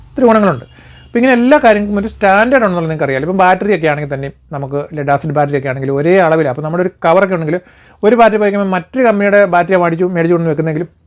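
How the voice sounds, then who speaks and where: A man explaining solar panels in a casual, rambling way, full of fillers and restarts. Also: high-pitched.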